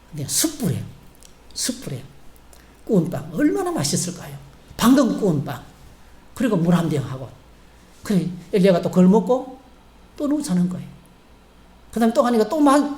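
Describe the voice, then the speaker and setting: A middle-aged man preaching a sermon from the pulpit, with a mellow, soft-edged voice. He tells the story casually, pausing for asides and acting out the lines of the people in it. The sound carries the echo of a church hall. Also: fairly high pitch. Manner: conversational storytelling preaching with fillers and acted-out quotes. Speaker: pastor. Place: church sanctuary.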